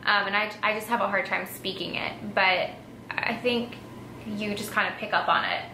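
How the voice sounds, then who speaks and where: A young American woman vlogger talks casually and informally to her viewers. Her voice is bright and forward. The room adds noticeable echo, with a little noise behind her. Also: mid-range voice, steady tone, moderate pace, vocal fry. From Texas, United States. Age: young adult. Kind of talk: casual chat, answering viewer assumptions. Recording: echoey room with faint background noise.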